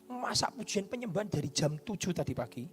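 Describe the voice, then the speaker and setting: Fiery pastor preaching. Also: male voice, sits high, very animated, brisk. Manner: fiery preaching, swings from hushed to shouting. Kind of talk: sermon. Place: church stage.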